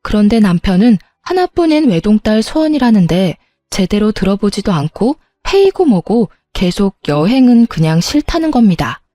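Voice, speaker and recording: A woman tells a family drama in calm, confiding scripted narration. Her voice is dark and mellow, and the sound is dry and close to the mic with soft music low underneath. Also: moderate pace, hardly any pauses, dry recording. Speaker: narrator and wife.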